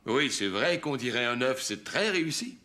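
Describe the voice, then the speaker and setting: A man playing a kindly, forgetful old grandfather in a children's cartoon, talking gently and patiently. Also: mid-range voice, sing-song, moderate pace. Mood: gentle, patient. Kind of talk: French children's cartoon acting.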